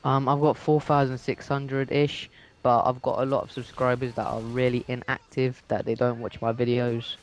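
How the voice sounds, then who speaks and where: A man's voice: medium pitch, level tone, normal speed. A sixteen-year-old male from England giving casual game commentary as a guest, in a hesitant, matter-of-fact way. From England, moved from Dubai aged two.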